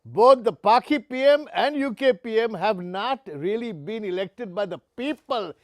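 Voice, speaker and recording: Man putting on a brash British Punjabi guy, very high voice, mock British Punjabi accent, slangy and cocky. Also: expressive, moderate pace, no echo, studio quality. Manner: cocky slangy banter with "innit" and "mate". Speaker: comedy interview guest. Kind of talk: sketch comedy.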